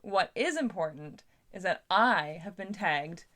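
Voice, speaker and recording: A book vlogger from Ontario, Canada, chats casually to camera in an informal, talkative way. Her voice is fairly low with lively intonation, and she speaks a little slowly with a Canadian accent.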